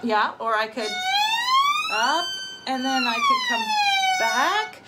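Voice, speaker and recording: A woman teaching violin sound effects in a gentle, patient, step-by-step way, and telling a story along with it, with violin playing between her phrases. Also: extremely high pitch, huge pitch swings, slow pace, over loud music. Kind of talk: children's music lesson with storytelling.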